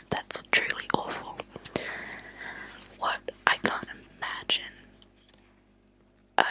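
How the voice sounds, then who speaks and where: Whispering woman, ASMR reader. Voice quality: breathy unvoiced whisper. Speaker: ASMR channel host. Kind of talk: whispered ASMR reading of a true-crime book. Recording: lo-fi whispered home recording.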